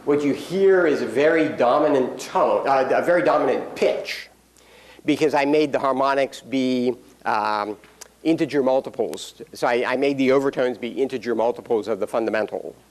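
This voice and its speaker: Male professor, mid-pitch, casual classroom delivery, dry humor, lots of fillers. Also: normal speed. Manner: explanatory, dry jokes, frequent fillers. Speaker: university lecturer. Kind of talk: classroom lecture.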